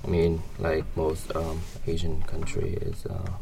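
Young male interviewee, Vietnamese accent, very deep gravelly register, halting conversational delivery, some noise behind. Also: completely flat delivery. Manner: hesitant, halting, hedging.

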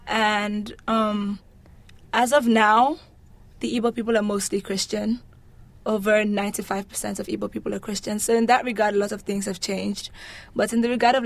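A young woman from Nigeria answering interview questions in a conversational, explanatory and articulate way. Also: mid-range voice. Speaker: interview guest.

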